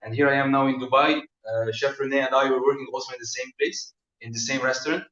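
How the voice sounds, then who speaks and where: A man, a restaurant manager appearing as a guest and speaking in a measured way with frequent hesitations. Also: medium pitch, a bit bright. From Lebanon. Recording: echoey room, distant mic, dull lo-fi.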